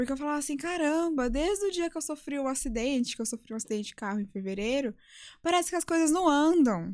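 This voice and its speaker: Here a woman talks at a very fast pace with a high pitch and lively intonation. The recording is very clean and the background silent. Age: 20s. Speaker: podcast host. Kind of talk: casual chat.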